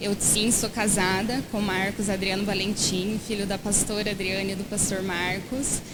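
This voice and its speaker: With noticeable background noise and audible room echo, a woman talks at a fairly slow pace. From Brazil, Curitiba (Paraná). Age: 20s. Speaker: pastor's daughter-in-law, church member. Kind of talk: interview.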